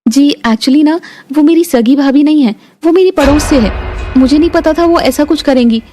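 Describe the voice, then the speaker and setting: A woman's voice: high-pitched, normal speed, dark tone, faint music behind, lightly acted. Cartoon role: woman voicing a snobbish rich girl, scolding, with English slipped in. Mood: curt. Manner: haughty, scolding, mixes English. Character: rich, snobbish young sister-in-law. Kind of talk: cartoon voice acting.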